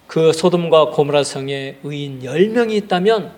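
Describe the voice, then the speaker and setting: A man's voice: fairly high pitch, animated, normal speed, darkish tone, natural voice. A man voicing Abraham as an old patriarch pleading and bargaining, in a raised, earnest voice.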